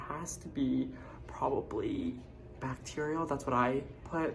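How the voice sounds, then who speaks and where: A man's voice with audible room echo. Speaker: pharmacy student vlogger. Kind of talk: casual vlog talk to camera.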